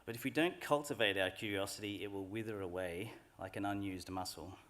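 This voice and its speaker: A middle-aged man giving a formal graduation address from a lectern microphone in a large hall, in a measured and earnest way. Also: fairly low pitch, fairly bright tone. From Australia. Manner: measured, earnest, reflective speech delivery. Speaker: graduation speaker.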